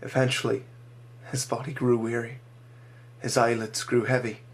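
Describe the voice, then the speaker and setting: Man narrating his own story, measured pace, mid-pitched voice. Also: flat delivery.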